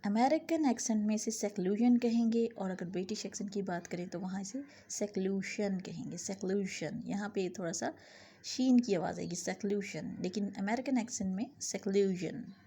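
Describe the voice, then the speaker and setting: A woman teaching English vocabulary, saying each word pair twice and the English words slowly. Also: medium pitch, mellow, slightly rough. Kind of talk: vocabulary lesson.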